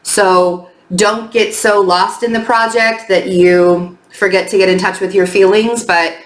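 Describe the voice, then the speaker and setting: A woman giving a chatty weekly astrology and tarot update, her voice slightly hoarse as she loses it, with frequent ums. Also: mid-range voice, steady tone, a little slow, roomy sound. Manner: chatty, with many ums and loose restarts.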